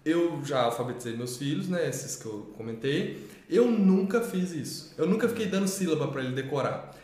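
A man's voice: medium pitch, lively intonation, a little fast, darkish tone. A man co-hosting a talk on teaching children to read, rambling with many restarts and tag questions. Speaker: co-host of a literacy channel. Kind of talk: casual explanatory talk. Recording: echoey room.

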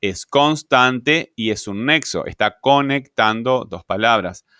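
A man's voice: mid-range voice, animated, slow, bright, forceful tone, clean tone, no echo, clean studio sound. A man teaching a grammar lesson, patient, often checking with rhetorical questions. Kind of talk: grammar lesson explaining on screen.

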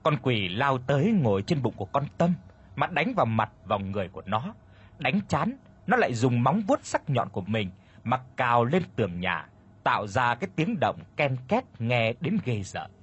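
Husky, dramatic ghost story narrator. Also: male voice, medium pitch, normal speed. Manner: dramatic, expressive.

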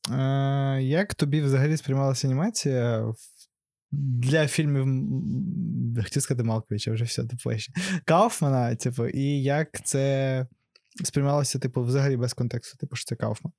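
A man's voice: mid-range voice, fairly even intonation, moderate pace, a little mellow, dry recording, clean studio sound. A young man, co-hosting a casual film podcast, rambling with lots of fillers and laughs. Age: young adult. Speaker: podcast co-host.

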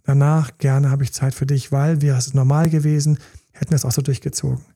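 A man's voice: mid-range voice, little pitch movement, brisk, dark tone. A man talking casually about relationships as a coach, who acts out partners' pleas in character and sometimes drops to a whisper. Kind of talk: casual podcast talk.

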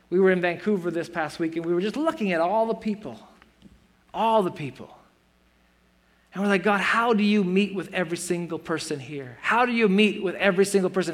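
A man in his forties preaching a sermon in a church, earnest and conversational, with playful self-mocking asides. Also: high voice. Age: 40s. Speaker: pastor.

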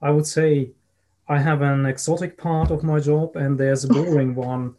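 A man with a German accent answering interview questions as an expert guest, speaking in a measured, halting way. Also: a little high, steady tone, warm tone. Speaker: guest, risk and crisis management consultant.

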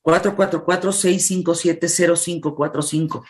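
A woman's voice: lowish voice, fairly even intonation, moderate pace, a little mellow, a little hiss or hum. A woman with a Mexican accent hosting a conversational radio interview in a colloquial, effusive and affectionate way. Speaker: radio show host.

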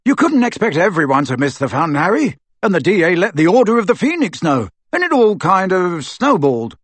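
Brief: jokey teen twin type, read by a man, light and lively. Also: high voice, a little fast, dry recording, pitched above the performer's own voice, heavily acted. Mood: breezy.

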